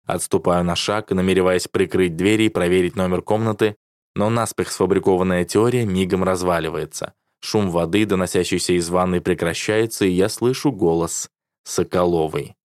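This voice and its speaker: A man narrates a first-person novel in a low register. His delivery is wry and sardonic, close to the mic in a dry, dead-sounding space. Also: fairly even intonation, moderate pace, no echo. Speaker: audiobook narrator.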